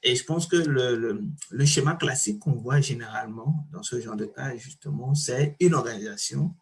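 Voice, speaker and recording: A man's voice: mid-range voice, moderate pace. A man hosting an interview show, talking casually with many fillers and repeated words. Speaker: podcast host.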